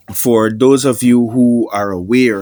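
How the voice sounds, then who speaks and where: A man with a Guyanese accent speaks at a medium pitch in a monotone, flat way. The recording is very clean, with a silent background. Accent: full Guyanese. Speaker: MMA YouTuber, fight analyst. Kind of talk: casual vlog commentary.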